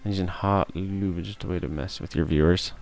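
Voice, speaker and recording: A tired, hoarse man with a gruff, rough voice streaming a game, chatting and muttering to himself on a close mic. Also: sits low, steady tone, a little fast, a little mellow. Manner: mutters to himself while playing. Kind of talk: casual gameplay stream chat. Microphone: close studio mic.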